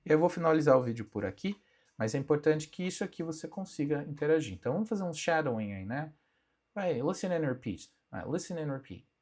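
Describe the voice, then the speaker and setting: A young Brazilian man giving a casual English lesson, chatting and repeating phrases slowly for students to copy. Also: a little high, lively intonation, darkish tone. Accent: Brazilian Portuguese. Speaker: English teacher. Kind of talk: casual spoken language lesson. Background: faint background music.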